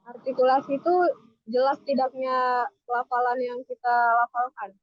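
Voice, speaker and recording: A woman with a high voice answers short, polite replies as a class participant. She is riding on the road, and her audio comes through muffled. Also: level tone, moderate pace.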